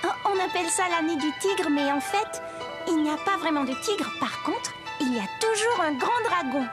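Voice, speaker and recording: A woman's voice: very high-pitched, lively intonation, moderate pace, over loud music. A woman voicing a confident, friendly six-year-old girl who explains things helpfully in a French preschool cartoon. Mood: explaining.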